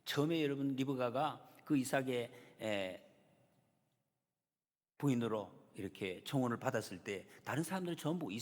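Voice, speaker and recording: A man preaching a Sunday sermon as pastor, earnestly addressing the congregation and building to emphatic peaks. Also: mid-range voice. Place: church sanctuary. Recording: long church reverb, slightly husky.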